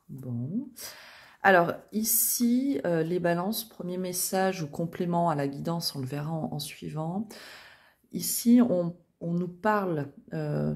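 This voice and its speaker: Woman with a deep voice for a tarot reading video; reassuring, halting delivery. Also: a little mellow. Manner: hesitant, many fillers and tag questions. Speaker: tarot reader.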